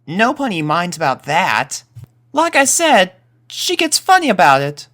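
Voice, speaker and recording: A man voicing young boy pony colts in a storybook reading, with a high child voice and expressive, uneasy chatter. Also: a little slow, heavily acted. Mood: casual chatter. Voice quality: high-pitched put-on child voice.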